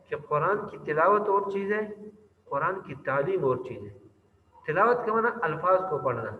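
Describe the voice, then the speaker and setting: A man teaching a religious lecture on Quran recitation, explaining by reciting and repeating words to correct pronunciation. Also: on the high side. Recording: tinny, echoey hall with faint noise.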